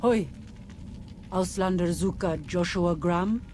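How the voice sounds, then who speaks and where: Actress as proud tribal warrior woman, menacing game sentry, slow halting broken English, terse, stern, noisy ambience. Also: lowish voice, lightly acted. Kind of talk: video game character dialogue.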